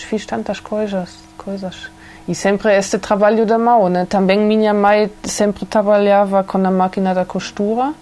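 A German-born woman talks about her craft with a German accent, in a middle pitch. She speaks haltingly, often stopping to search for the right words. It is a relaxed interview tone. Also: slight background noise. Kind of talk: casual interview.

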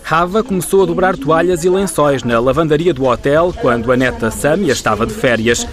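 A male news reporter with a European Portuguese accent narrates a television story. His voice sits a little high for a man, and his delivery stays measured and even throughout. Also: over music. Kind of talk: scripted news voice-over.

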